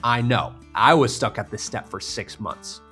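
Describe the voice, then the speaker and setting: Male vocal coach: animated, bright and creaky, emphatic tutorial delivery. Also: medium pitch, measured pace, soft background music. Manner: emphatic step-by-step explaining. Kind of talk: instructional tutorial.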